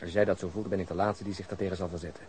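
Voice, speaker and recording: A man's voice: low-pitched, level tone, racing, darkish tone, close to an everyday voice. An actor as a commanding senior policeman, faint noise. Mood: deliberating. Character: commanding senior policeman planning a rooftop operation. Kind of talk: Dutch radio drama dialogue.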